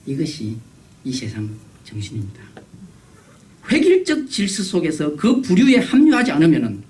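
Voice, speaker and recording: A man preaching a revival sermon as guest pastor, animated and acting out the voices he quotes. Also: fairly high pitch, recorded from a distance, a little hiss or hum, low-quality recording. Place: church sanctuary.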